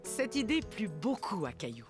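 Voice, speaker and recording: A woman performing as the gentle storybook narrator of a children's cartoon, telling it expressively to young listeners. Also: medium pitch, very animated, normal speed, over music, close to an everyday voice. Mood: storytelling.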